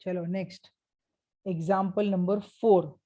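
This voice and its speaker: Mellow South Asian woman teaching maths. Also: fairly low pitch, steady tone, measured pace. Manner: stern, prodding, repeatedly checks for answers. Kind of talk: interactive maths lesson.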